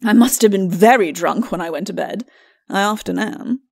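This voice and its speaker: A woman voicing a pompous, aching skeleton lord, a muddled old drunk with a rough voice and indignant bluster. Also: mid-range voice, moderate pace, no room sound, clean studio sound.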